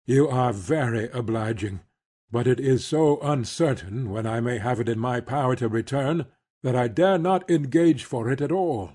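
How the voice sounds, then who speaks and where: Husky, grave colonel, played by a man. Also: mid-range voice, moderate pace, a little mellow, natural voice. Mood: polite, grave. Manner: formal, restrained, polite. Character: grave, courteous, reserved English gentleman colonel. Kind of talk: dramatised classic novel reading.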